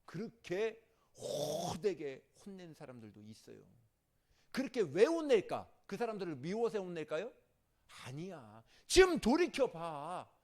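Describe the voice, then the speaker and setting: A man preaching a sermon as a pastor, animated, turning from loud scolding to soft asides and asking the congregation questions. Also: on the high side, measured pace. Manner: asks the congregation questions and jokes with them.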